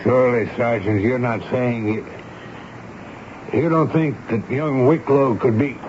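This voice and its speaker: An actor playing a kindly, measured army major, a fort commandant with educated speech, in a 1970s radio drama. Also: male voice, medium pitch, fairly even intonation, darkish tone, lightly acted. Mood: authoritative. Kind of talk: 1970s radio drama acting, first-person narration and dialogue. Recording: dull, noisy old radio broadcast recording.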